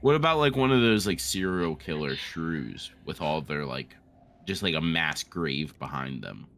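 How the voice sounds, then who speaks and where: A man's voice: very deep voice, expressive, measured pace, a bit bright, slight background noise. A man co-hosting a gaming session in casual chat, rambling, joking and swearing freely. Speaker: gaming co-host. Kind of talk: casual chat over gameplay.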